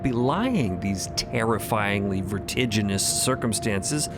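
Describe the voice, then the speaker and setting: A man's voice: lowish voice, slow pace, music in the background. A man co-narrating a fantasy audio story in a scripted but conversational style. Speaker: podcast co-narrator.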